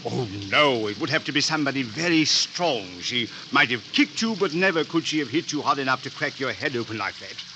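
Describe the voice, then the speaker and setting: An actor playing a polished, indignant wealthy uncle who turns menacing, in a 1940s radio drama. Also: male voice, medium pitch, expressive, a little fast, few pauses, lightly acted. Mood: defensive. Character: scheming wealthy older male uncle, killer. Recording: old radio broadcast with noise.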